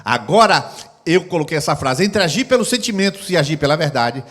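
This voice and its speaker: A man's voice: a little high, animated, a little fast, a bit bright. A middle-aged man preaching a sermon as pastor, acting out scenes with sound effects. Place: church hall. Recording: long hall reverb.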